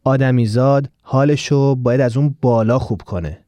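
A man's voice: mid-range voice, steady tone, no room sound, close to an everyday voice. A man voicing a fatherly newspaper seller. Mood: advising. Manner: gently lecturing, giving friendly advice. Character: fatherly middle-aged male newspaper seller. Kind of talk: audiobook character voice.

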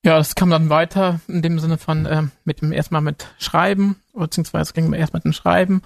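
A man of thirty-five from central Germany, an interview guest chatting casually in a halting, repetitive way. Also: a little high, little pitch movement, gravelly, dry recording, studio quality. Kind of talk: casual chat.

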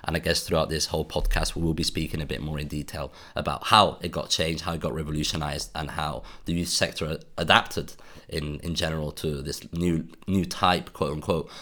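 Male podcast co-host; very deep voice, rapid delivery, easygoing questions. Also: steady tone, a bit bright. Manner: quick, conversational. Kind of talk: podcast moderation.

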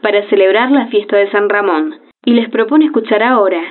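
A woman playing a rural radio announcer, reading notices and scripture in a formal, measured way. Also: mid-range voice, lightly acted. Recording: tinny radio broadcast, music behind.

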